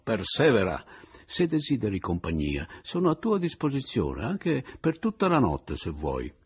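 A man reading a novel aloud as an audiobook, lively and expressive, giving the characters' lines their own turns. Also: deep voice, slightly rough. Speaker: narrator.

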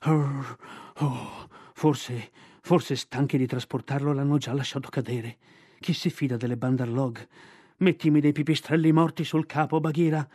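A man's voice: on the high side, darkish tone, no echo, studio quality. A man voicing a clumsy old bear who pants and laments. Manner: panting, lamenting.

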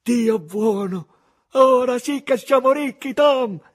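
A man's voice: high voice, measured pace, husky, pitched above the performer's own voice. A man voicing a wide-eyed scrappy boy. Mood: overjoyed. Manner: wondering, excitable.

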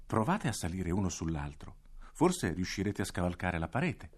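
A man voicing a small, invisible male flying sprite who gives calm, practical advice. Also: sits low, moderate pace, breathy edge, exaggerated voice. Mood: helpful.

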